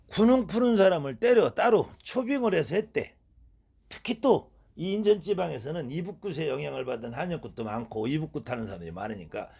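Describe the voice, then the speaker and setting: A middle-aged man, a shaman, lecturing in a husky voice and firing off rhetorical questions. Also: on the high side, darkish tone.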